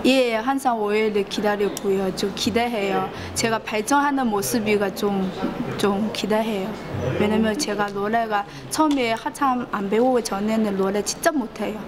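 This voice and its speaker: A woman in her thirties with a foreign accent, a non-native speaker who haltingly repeats words in a casual interview. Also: medium pitch, noisy background. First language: not Korean. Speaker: choir member. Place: large indoor rehearsal hall, interview camera.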